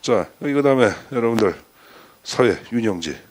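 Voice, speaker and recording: A man's voice: mid-range voice, lively intonation, moderate pace, darkish tone. A man giving a chatty exam-prep lecture, firing rhetorical questions at his students.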